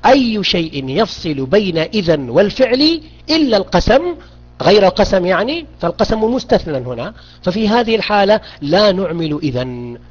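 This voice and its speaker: A man's voice: high voice, slightly rough. A man teaching a beginners' grammar lesson online, questioning students and repeating key points. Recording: dull lo-fi audio.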